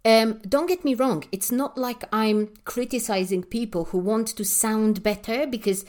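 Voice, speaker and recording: A woman's voice: a little high, measured pace, darkish tone. A woman from Poland with a Polish accent, hosting a podcast and delivering a passionate, emphatic monologue full of rhetorical questions and fillers. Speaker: podcast host and English teacher trainer.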